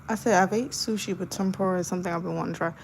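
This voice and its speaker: A woman's voice: lowish voice, steady tone, very fast, creaky, rough recording. A young woman in her twenties talks casually to her viewers as she draws. Her chat is loose and giggly, full of fillers. A faint hum sits under the voice. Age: 20s. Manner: chatty, giggly, lots of fillers. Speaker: art livestreamer. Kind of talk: casual chat while sketching.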